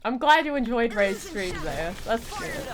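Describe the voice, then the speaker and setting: A woman's voice: fairly high pitch, very animated, measured pace. A woman chatting casually on a gaming livestream, playful and often repeating her phrases. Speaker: game streamer.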